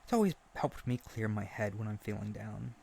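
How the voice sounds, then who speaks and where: Man acting a husky, earnest lovesick harpy boy. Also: on the low side, animated, moderate pace, mellow, exaggerated voice. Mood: wistful. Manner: hesitant, stammering, tender and earnest. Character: earnest lovesick young harpy bird-boy, gentle and insecure. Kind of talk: roleplay audio drama spoken intimately to the listener.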